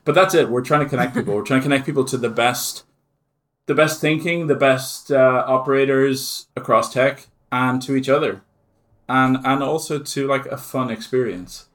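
A man's voice: mid-range voice, moderate pace, a bit bright. Chatty Irish man in conversation. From Ireland. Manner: chatty, informal. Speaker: conference organiser, interview guest. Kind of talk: casual interview talk.

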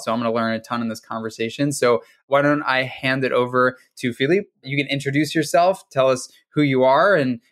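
A man's voice: mid-range voice, a bit bright. A man with a mid-range voice hosts a podcast in an upbeat way. He sets up topics and guides the talk with questions. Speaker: podcast host. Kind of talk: podcast interview.

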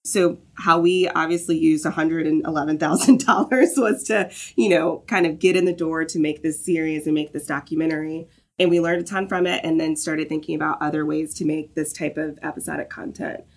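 A woman's voice: sits low, fairly even intonation, a little fast. A woman from the Southern US, a guest on a podcast interview, explaining her work fluently and often checking in with "right?". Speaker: guest, marketing lead.

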